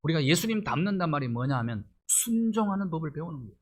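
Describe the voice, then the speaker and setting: Male pastor, middle-aged, sermon delivery, rhetorical questions, slightly high voice. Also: big pitch swings, fast. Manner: preaching with rhetorical questions, rising emphasis.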